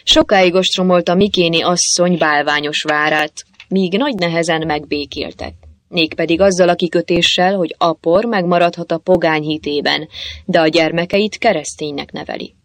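A woman telling an old folk legend in a measured, steady narration. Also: lowish voice, no echo.

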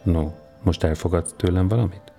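A man voicing a stern, powerful older Roman governor in a storybook reading, with a measured, commanding manner. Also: deep voice, steady tone, vocal fry, mellow, soft background music. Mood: quiet, sly.

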